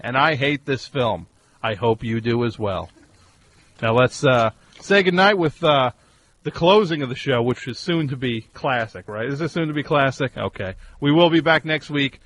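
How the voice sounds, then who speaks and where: A man in his forties hosting a call-in radio show, teasing a caller with mock indignation and a deadpan delivery. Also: medium pitch, a little hiss or hum. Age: 40s. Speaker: radio host. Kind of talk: sarcastic call-in radio banter. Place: radio studio.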